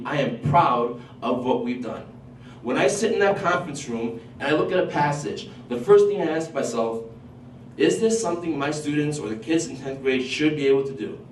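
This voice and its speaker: A man who grew up in Portugal and whose first language is Portuguese, a high school teacher testifying at a public hearing in an earnest, animated way. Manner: earnest, animated when quoting himself and students. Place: large hall at a public hearing. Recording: roomy hall, voice from a distance, faint noise.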